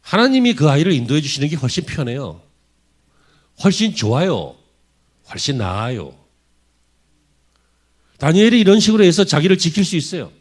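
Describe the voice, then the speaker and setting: A man's voice: on the high side, sing-song, moderate pace, pauses often. A man preaching a sermon as a pastor in a church, driving his points home with rhetorical questions to the congregation. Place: church sanctuary.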